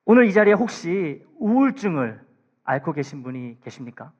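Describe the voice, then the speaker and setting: A man preaching a sermon as pastor in a church, pleading, with hushed asides and raised emphatic lines. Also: high voice, very animated, moderate pace, muffled recording. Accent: Korean. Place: church sanctuary.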